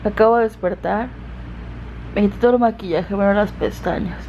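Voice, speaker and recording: A woman's voice: medium pitch, moderate pace, a little mellow, muffled recording, a little hiss or hum. A young woman chatting casually to a handheld camera at home, sleepy and rambling. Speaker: beauty vlogger. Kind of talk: casual vlog chat to camera. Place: home, indoors and out in the yard.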